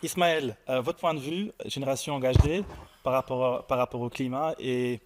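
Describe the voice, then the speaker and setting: A man's voice: mid-range voice, normal speed, background noise. A man moderating a debate with brief questions and prompts.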